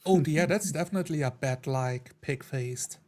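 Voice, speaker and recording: Guy with a lightish higher voice, casual game chat, tells it like a story. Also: normal speed, a little mellow. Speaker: tabletop roleplay player.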